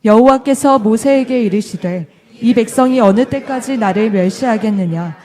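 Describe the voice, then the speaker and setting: Woman, scripture reader, steady measured delivery, slightly high voice. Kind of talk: scripture reading.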